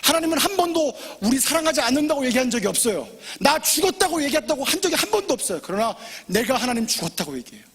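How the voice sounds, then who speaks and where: A man preaching a sermon as pastor, impassioned and personal, swinging from loud pleading to hushed near-whispers. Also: extremely high pitch, very animated, fast, hardly any pauses, slightly rough, long reverb tail. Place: church sanctuary.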